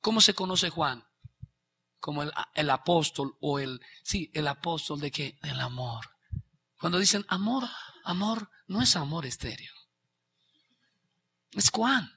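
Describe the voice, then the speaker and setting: A man pastor, preaching a sermon with animated bursts of shouting and quiet asides. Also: a little high, a little slow, vocal fry, pauses often, slightly rough.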